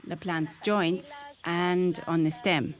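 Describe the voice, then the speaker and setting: A woman's voice: lowish voice, steady tone, slow. A woman giving an explanatory voice-over translation for a documentary interview.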